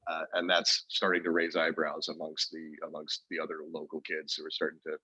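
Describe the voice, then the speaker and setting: A man's voice: extremely low pitch, completely flat delivery, fairly quick, pushed and bright, breathy edge, no echo, highs cut off. A man co-hosting a podcast, telling a story in casual chat with lots of restarts and fillers. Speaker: podcast co-host.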